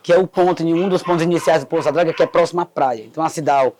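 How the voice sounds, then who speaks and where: A middle-aged man telling stories about his neighborhood in a casual, animated way, often adding "né". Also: a little high, racing. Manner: animated, fond of "né". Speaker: local resident and geographer guest. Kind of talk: casual storytelling. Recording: faint background noise.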